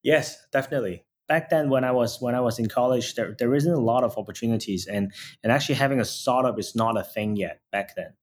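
A man's voice: medium pitch, quick pace, a little hiss or hum. Hesitant male founder from Hong Kong. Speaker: startup founder guest. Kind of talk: interview answers.

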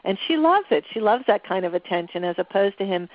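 A woman's voice: mid-range voice, very animated, quick pace, highs cut off. Confident woman telling relationship stories. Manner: anecdotal, confident, conversational. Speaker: relationship author guest. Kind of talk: storytelling interview answers.

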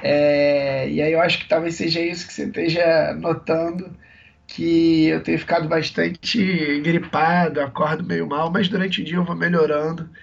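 Hoarse man with a cold. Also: a little high, moderate pace, lo-fi sound. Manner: relaxed, rambling with many restarts. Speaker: podcast co-host. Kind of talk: casual podcast chat.

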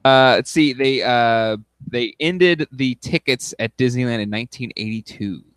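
A man's voice: mid-range voice, a little slow, fairly bright tone, clean tone, no echo. A man in his thirties co-hosting a casual chat, hesitant with many fillers. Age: 30s. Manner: hesitant, lots of fillers, reads aloud. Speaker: podcast co-host.

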